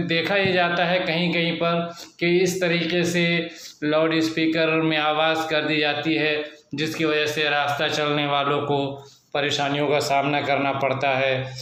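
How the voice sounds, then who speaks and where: A man giving unscripted news commentary, speaking slowly and measuredly with frequent hesitant fillers. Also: fairly high pitch, fairly bright tone, roomy sound.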